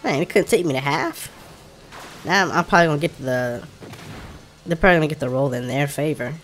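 A man's voice: fairly high pitch, fairly quick, a bit bright. A man with an African American English accent gives casual commentary while playing a video game, informally thinking aloud and muttering to himself. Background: game music.

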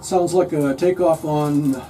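An older man in his sixties hosts a relaxed cooking demo in a motor home kitchen, cracking jokes between steps. His voice is dark and mellow, caught by a camera mic across the small room with a faint hiss behind it. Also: fairly high pitch, slow, low-quality recording. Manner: joking, chatty, reads out a manual. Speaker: channel host. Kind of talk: casual cooking demo chat.

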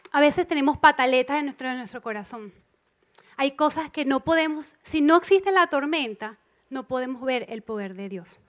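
A woman delivers an evening church sermon in a high, light voice. She speaks emphatically, circling back to repeat her key phrases. Now and then she slips into little acted-out voices to make a point. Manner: expressive, acts out inner voices. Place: church congregation.

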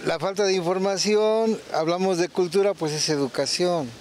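A man's voice: sits high, moderate pace, a little mellow, slight background noise. A man in his sixties with a Mexican Spanish accent, answering a street interview outdoors into a handheld mic, thoughtful and hesitant with many fillers. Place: outdoor town square. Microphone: handheld reporter mic.

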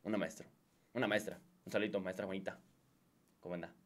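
A man in his twenties with a Mexican Spanish accent, chatting casually to camera as a YouTuber, answering viewer questions in relaxed slang, rising high to read them and sinking low to answer. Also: fast. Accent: Mexican Spanish, with a mixed lilt. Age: 20s. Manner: relaxed slangy chat, swings high and loud reading questions, drops low and soft answering. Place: small home studio room, indoors. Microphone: studio condenser mic on boom arm.

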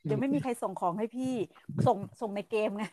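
Woman host, middle-aged, high voice, dry close sound, blunt, swears a lot. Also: expressive, quick pace, warm tone, dry recording, rough recording. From Thailand. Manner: blunt, ranting, swears freely; stretches polite endings for emphasis. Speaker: livestream host. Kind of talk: casual livestream chat.

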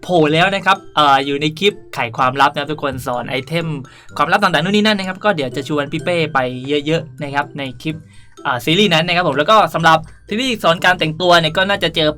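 A young man speaks in a bright, forward voice as a gaming channel host. He rambles playfully through a casual tutorial, with faint music behind him. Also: a little high. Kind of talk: casual game tutorial commentary.

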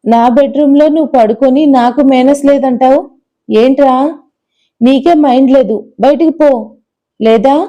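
A woman voicing a fiery young woman in an audio storybook, shouting indignantly. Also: high voice, moderate pace, pauses often, lo-fi sound, lightly acted. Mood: furious.

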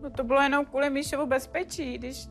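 A woman's voice: high-pitched, fairly even intonation, soft background music. An actress playing an emotional, defensive mother who whines and accuses in court. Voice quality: whiny, accusing. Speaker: respondent mother. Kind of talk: courtroom TV show acting.

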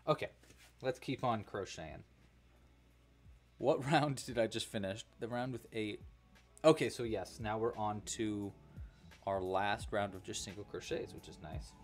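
A man's voice: fairly low pitch, a little slow, pauses often, soft background music. Chatty young man hosting a crochet stream. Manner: chatty, counts stitches aloud, thanks donors. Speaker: crochet livestream host. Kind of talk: casual livestream crochet tutorial.

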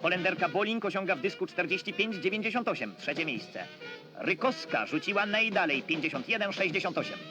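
A man narrating a 1960s newsreel sports report, announcing results and times in crisp, clipped phrases. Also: high-pitched, expressive, brisk. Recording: old newsreel soundtrack with loud music underneath.

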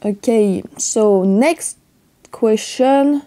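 A young woman from France speaking English with a French accent, chatting casually in her vlog with a hoarse morning voice. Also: on the high side, very slow, mellow. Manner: chatty, upbeat, loose non-native phrasing. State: hoarse from just waking up. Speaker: athlete vlogger.

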